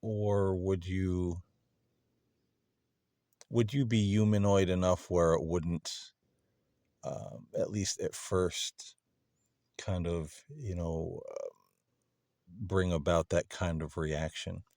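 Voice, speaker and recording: A man hosting a paranormal session, politely and haltingly putting spontaneous questions to unseen beings. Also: low voice, steady tone, a little mellow, no echo, clean studio sound. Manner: polite, tentative, halting with pauses.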